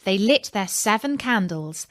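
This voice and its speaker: A woman storyteller narrating a scripted children's fairy tale in a measured, deliberate read-aloud delivery. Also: mid-range voice, lively intonation, no echo, clean studio sound.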